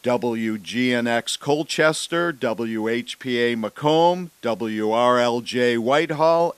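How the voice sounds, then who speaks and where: Radio guy doing station ids, slow and smooth, dry booth. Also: mid-range voice, no room sound. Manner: measured, deliberate reading. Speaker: station announcer. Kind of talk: scripted station announcement.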